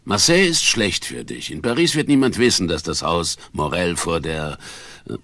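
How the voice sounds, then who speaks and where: A gravelly, weary old shipowner. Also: male voice, deep voice, very animated, normal speed, sharp tone, no room sound, exaggerated voice. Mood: grave, resigned. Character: older worried male shipowner, a father near ruin. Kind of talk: radio play acting.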